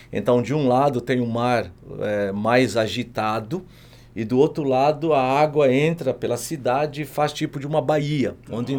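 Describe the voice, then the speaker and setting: At a moderate tempo, a man talks in an unremarkable speaking voice, his mid-range pitch varying in an ordinary way. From Angola. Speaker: pastor. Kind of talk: casual chat.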